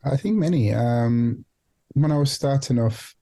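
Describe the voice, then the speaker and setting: A man with a dark, relaxed tone and a middling pitch talks as a podcast guest. He is reflective and hesitant, often restarting a phrase or dropping in "you know" while he works out his point. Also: unhurried. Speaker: guest, founder and CEO of a non-profit organization. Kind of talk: reflective podcast interview talk.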